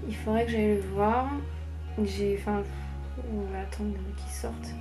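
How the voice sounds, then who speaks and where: A woman's voice: mid-range voice, level tone, unhurried. A young woman chatting casually through a makeup tutorial, rambling with many fillers, recorded on a camera mic at home. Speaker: beauty vlogger. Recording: faint background music.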